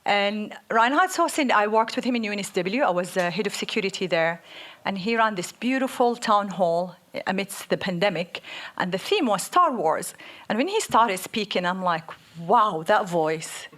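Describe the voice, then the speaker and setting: A woman with an Arabic accent, co-hosting a live podcast on stage, speaking in an energetic, outspoken way and laughing often. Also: medium pitch, normal speed. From Saudi Arabia. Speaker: podcast co-host. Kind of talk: live podcast panel talk.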